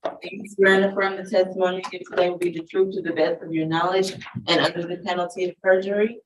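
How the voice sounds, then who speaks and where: A woman judge running a courtroom plea hearing, asking formal questions in a brisk, measured way. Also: on the low side, level tone, roomy sound. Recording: distant mic with faint noise.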